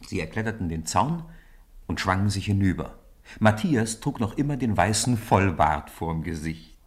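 A man narrating a children's radio play as a scripted storyteller. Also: low voice.

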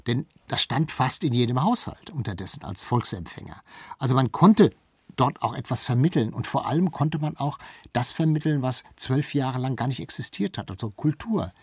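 A man's voice: mid-range voice, expressive, moderate pace, husky, no room sound. A man speaking as an expert guest in a conversational interview, explaining and repeating words for emphasis.

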